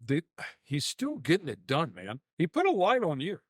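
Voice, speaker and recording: Male co-host, fairly high voice, chatty interviewer, dry close mic. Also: huge pitch swings, moderate pace, dry recording. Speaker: talk show co-host. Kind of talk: interview questions.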